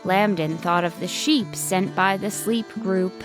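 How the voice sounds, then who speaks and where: A woman storyteller reads a scripted bedtime story for children. Her voice is mid-pitched and unhurried, with faint music behind it.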